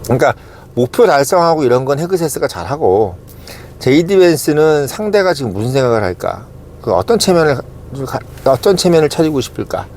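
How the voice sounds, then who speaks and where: A middle-aged man giving casual political commentary. He talks in short bursts, checks in with his listeners every few lines, and slows down to stress key words. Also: fairly high pitch, very animated, darkish tone, a little hiss or hum. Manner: talks in short bursts, keeps asking "응?" and "어?" for agreement.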